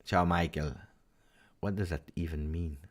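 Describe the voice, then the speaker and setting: An Italian-accented man deep into a late live football reaction stream, low voice, dramatically repeating himself to his viewers. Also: steady tone. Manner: theatrical, emotional, with repeated phrases and dramatic pauses. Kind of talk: casual live-stream chat.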